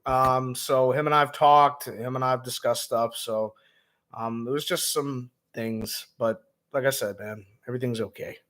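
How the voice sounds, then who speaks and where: A man who is hoarse and raspy, hosting a laid-back gaming vlog livestream with lots of ums, talking to viewers as man and bro. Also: medium pitch, steady tone, a little slow, fairly bright tone. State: hoarse, lost voice. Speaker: gaming vlogger host. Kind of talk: casual livestream chat.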